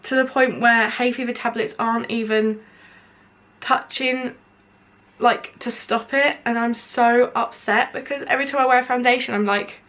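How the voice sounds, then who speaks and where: A woman's voice: a little high, fairly even intonation, moderate pace, a bit bright. Congested, chatty young woman vlogger. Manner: chatty, rambling, many filler "like"s. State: congested, nasal, sore throat from hay fever. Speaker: beauty vlogger. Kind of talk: casual product review while applying makeup. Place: indoors at home, window open.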